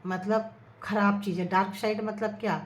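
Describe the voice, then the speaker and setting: A woman giving a casual tarot reading to her viewers, earnest and repetitive, softly chanting her requests to the cards. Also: mid-range voice, fairly even intonation, normal speed. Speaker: tarot reader. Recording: echoey room with faint ambient noise.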